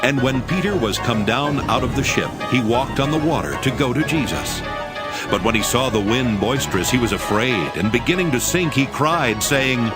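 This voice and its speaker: A man's voice: medium pitch, animated, normal speed, loud music behind the voice. A man narrating scripture in a dramatic, scripted audiobook style.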